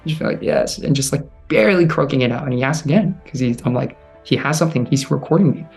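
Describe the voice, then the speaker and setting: A man quietly recounting a painful personal experience in an interview, halting and full of "like", dropping softer when he voices his inner thoughts. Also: mid-range voice, gravelly, faint music behind. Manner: halting, heavy use of "like", restarts. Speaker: storyteller guest.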